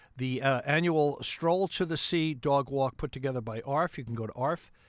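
Using an unremarkable speaking voice, a man talks whose pitch varies in an ordinary way. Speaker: radio host. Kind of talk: station announcer: calm, routine radio patter giving weather, station IDs and song intros. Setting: radio studio broadcast. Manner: relaxed, unhurried, conversational, with easy 'uh' fillers and steady even pacing.

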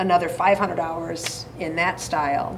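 A woman with an American accent and ordinary pitch variation, amid noticeable background noise and audible room echo. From US Midwest, Milwaukee area, Wisconsin. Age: 50s. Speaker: yoga studio owner and teacher. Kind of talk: casual interview conversation. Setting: yoga studio.

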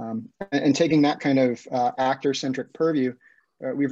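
With an American accent, a man speaks in a dark, mellow tone at a fairly quick pace and fairly even intonation against a quiet background. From US, Boston area. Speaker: threat intelligence director. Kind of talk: interview. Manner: repetitive, hesitant starts.

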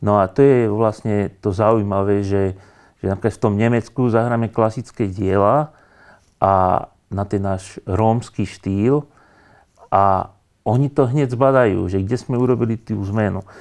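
An unremarkable speaking voice with fairly even intonation at a fairly slow pace. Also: man, fairly low pitch for a man. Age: 50s. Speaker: musician and cimbalom player. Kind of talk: interview.

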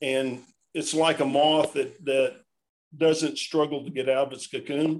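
A man speaks at a fairly slow pace in a plain, everyday voice. His pitch sits fairly high. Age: 60s. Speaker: construction business owner. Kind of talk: interview.

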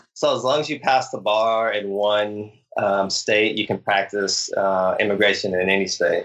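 A man speaks with an American accent at a moderate pace. He leaves hardly any pauses. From Nevada. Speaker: former NFL player. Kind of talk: casual interview.

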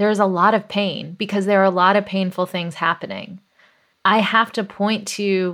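Speaking in a normal speaking voice with an American accent, a woman holds a medium pitch at a moderate pace on a very clean recording with a silent background. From US South, Atlanta, Georgia. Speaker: nonprofit CEO and activist. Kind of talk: interview conversation.

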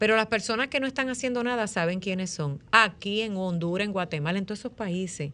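A woman's bright, sharp, animated voice at medium pitch with ordinary variation, fairly quick with hardly any pauses, over a quiet background. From raised in the United States. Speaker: radio host. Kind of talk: live radio talk show. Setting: radio studio.

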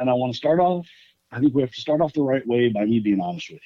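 A man speaks with a Texan accent. His pitch varies in an ordinary way. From Texas. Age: 40s. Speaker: police officer. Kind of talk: interview storytelling.

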